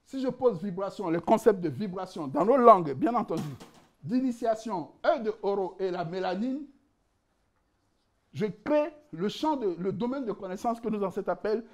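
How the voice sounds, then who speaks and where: A man with a high-pitched voice presents his book at a conference, lecturing at normal speed with lively energy. He jokes and laughs at his own asides, often restarting phrases and repeating words as he works toward a point.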